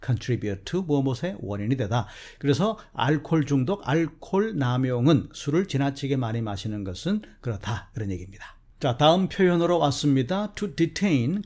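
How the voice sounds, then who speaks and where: A man teaching English vocabulary in Korean, starting many sentences with "자" and reading English example sentences slowly and carefully. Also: medium pitch, very animated, a little mellow.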